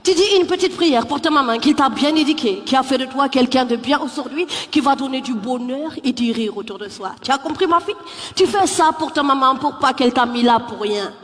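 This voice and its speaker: A woman's voice: high voice, expressive, fairly quick. A woman voicing a bossy, blunt older Senegalese auntie with a Senegalese French accent, scolding emphatically on a live comedy stage. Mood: coaxing. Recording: echoey hall, faint crowd noise.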